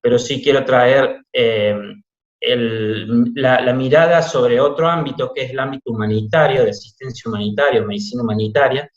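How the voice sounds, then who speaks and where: A man's voice: medium pitch, steady tone, moderate pace. A middle-aged man with a sing-song Córdoba accent speaks in a loose, hesitant way, stopping often on fillers. His voice comes through a video call that sounds dull and roomy. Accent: Cordobés Argentine Spanish. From Córdoba, Argentina. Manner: warm, hesitant with many fillers. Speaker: guest speaker, doctor. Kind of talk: talk for a video presentation.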